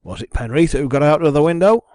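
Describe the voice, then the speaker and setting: A man's voice: on the high side, expressive, fast talker, darkish tone, no echo, clean studio sound, voice pushed up, lightly acted. A man voicing a sceptical, exasperated policeman who bluntly demands facts in an audiobook mystery. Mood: puzzled. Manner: blunt, challenging.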